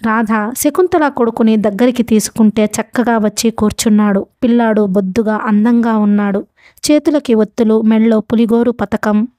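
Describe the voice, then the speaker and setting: Woman reading a novel out loud, warm mellow voice, dry close mic. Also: fairly high pitch, no room sound. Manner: steady, measured narration. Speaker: narrator.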